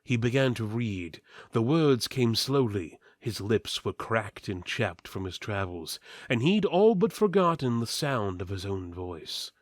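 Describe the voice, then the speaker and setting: Theatrical man with sweeping, animated pitch. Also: no room sound, studio quality. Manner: theatrical, solemn, deliberate emphasis. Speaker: story narrator. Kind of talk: dramatic reading of mock-epic fantasy fiction.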